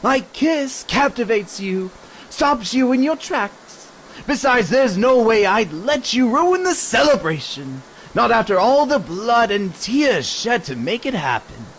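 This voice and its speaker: Killer clown villain: very high, slow, mocking and menacing, radio drama, noisy background. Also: male voice, very animated, heavily acted. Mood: sly gloating. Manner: taunting, sing-song, swinging from hush to shriek. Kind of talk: superhero radio drama acting.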